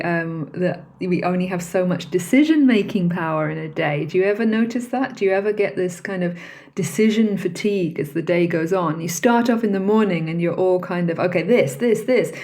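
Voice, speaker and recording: A woman's voice: lowish voice, darkish tone. A woman hosting a podcast, talking reflectively and conversationally on her own and posing questions to the listener. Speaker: podcast host. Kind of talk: reflective solo podcast talk.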